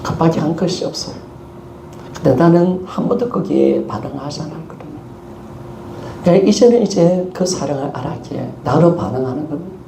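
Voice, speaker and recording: A man's voice: fairly high pitch, brisk, vocal fry, dark tone. A male pastor with a Gyeongsang Korean accent preaching a sermon, emphatic and calling out to the congregation for a response. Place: church sanctuary. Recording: echoey church hall with background noise.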